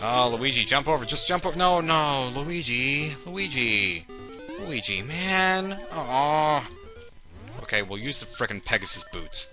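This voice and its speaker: A man's voice: mid-range voice, lively intonation, a little slow, music in the background. A man giving humorous commentary on a video game in a wry, sarcastic manner with exaggerated reactions. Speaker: let's play host.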